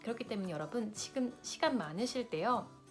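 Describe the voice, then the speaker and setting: A woman's voice: a little high, lively intonation, fairly quick, soft background music. A woman in her late thirties, a lifestyle vlogger, talking to camera and giving big-sister advice straight to her viewers. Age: 30s.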